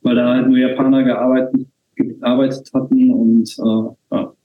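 A man's voice: mid-range voice, little pitch movement, normal speed, echoey room, lo-fi sound. A middle-aged man from Germany, a guest in a casual podcast chat, talking with frequent hesitations and restarts. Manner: hesitant, many fillers and restarts. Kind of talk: casual conversation.

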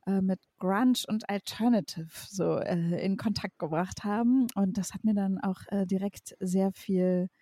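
A woman's voice: medium pitch, measured pace, few pauses, warm tone, no echo, clean studio sound, lightly acted. A woman musician guest in a casual interview, talking easily with frequent fillers and small laughs. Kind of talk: casual chat.

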